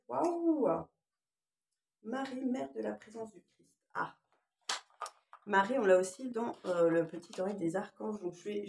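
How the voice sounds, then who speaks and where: A woman's voice: fairly high pitch, vocal fry, a little mellow, slight background noise. Woman reading oracle cards, echoey room. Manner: hesitant, musing asides between read passages. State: lingering cough. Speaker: oracle card reader. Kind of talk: informal spiritual card reading, part read aloud.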